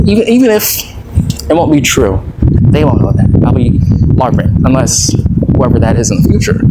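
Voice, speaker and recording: A young adult man giving a casual, rambling audio diary, hesitantly repeating words and trailing off, with a dry, self-deprecating manner. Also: mid-range voice. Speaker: vlogger recording an audio log. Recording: very noisy audio with clicks.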